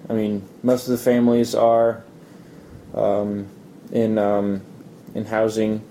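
A man with a very dark, soft-edged voice gives casual interview answers. His pitch sits fairly low and moves little, and he explains things in a measured, hesitant way over a faint low rumble. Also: completely flat delivery, rough recording. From Italy. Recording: low rumbling background noise.

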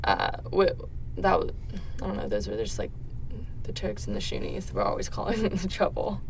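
Casting: young woman from the Netherlands, lowish creaky voice, informal and tentative interviewee. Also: big pitch swings, moderate pace. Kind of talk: casual interview answers. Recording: distant mic, faint background noise.

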